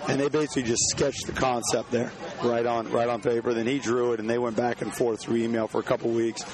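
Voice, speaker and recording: A hoarse man in the middle of his range talks through a building project, halting and restarting often. A crowd is clearly heard behind him, as if the interview is happening out on a busy job site. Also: mid-range voice, flat delivery, rough recording. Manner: halting, many restarts and fillers. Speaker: home builder guest.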